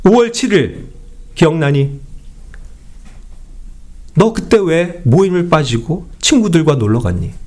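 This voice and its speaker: A stern male Lord sits in judgment and rebukes each servant with pointed questions, as a preacher acts him out. His voice is set lower than the preacher's usual high, lively tone. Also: unhurried, long pauses. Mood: reproachful. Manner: reproachful, questioning.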